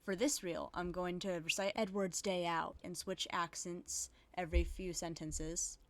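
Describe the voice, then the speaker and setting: A woman's voice: on the low side, little pitch movement, unhurried. A woman amateur voice actor talking informally as she introduces a voice acting reel.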